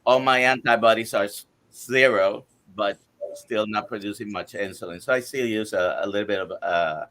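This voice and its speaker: A man in his sixties, a guest doctor, telling his own health story on a live stream in a halting way, with many fillers, listing items one by one. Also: fairly low pitch, a bit bright. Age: 60s. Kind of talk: casual testimony on a live stream.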